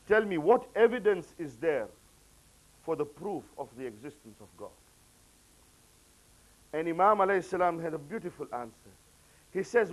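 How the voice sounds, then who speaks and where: In this roughly recorded sermon, a male preacher with a notably high-pitched voice addresses a gathering. When he quotes, his voice climbs and grows louder. His asides fall away into quiet, low murmurs.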